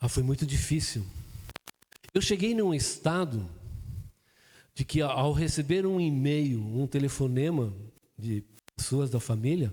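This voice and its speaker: A somewhat breathy man with a fairly high pitch and a dark, mellow tone speaks with lively intonation and very even loudness, pausing long and often. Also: fairly slow pace. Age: 60s. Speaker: pastor. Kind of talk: sermon. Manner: halting.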